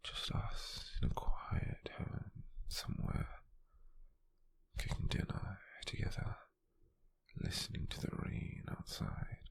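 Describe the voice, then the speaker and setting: A British man playing a gentle, doting wizard sweetheart in an intimate ASMR roleplay, speaking in a breathy, husky near-whisper with a tender, hesitant, teasing manner. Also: slow, natural voice. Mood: tender, shy.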